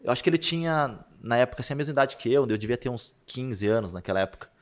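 With a medium-pitched voice moving at a racing speed, a young podcast co-host recounts something personal in easygoing chat. Full of slang, he performs the dialogue himself, shifting voices as an animated storyteller.

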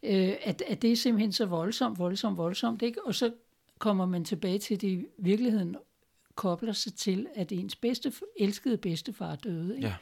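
A woman's voice: medium pitch, gravelly, a little mellow. A woman guest in a conversation, explaining her views and often checking in with tag questions. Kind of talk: reflective conversation.

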